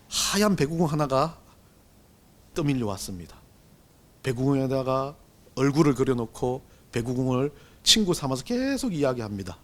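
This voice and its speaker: A middle-aged man preaching a Sunday sermon as pastor, swinging between loud and hushed delivery. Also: high voice. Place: church sanctuary.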